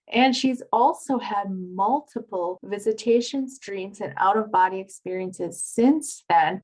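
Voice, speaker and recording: A woman with a mid-pitched voice hosts an interview podcast. She speaks emphatically and effusively, with open enthusiasm in how she presents things. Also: low-quality recording. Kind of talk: enthusiastic interview and channel introduction.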